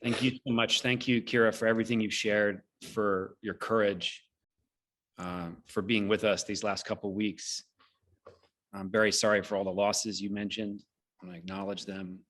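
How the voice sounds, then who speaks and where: A middle-aged man moderates an online discussion over a video call. His voice sits fairly low, and he talks in a measured, earnest manner. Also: little pitch movement, a bit bright. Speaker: host.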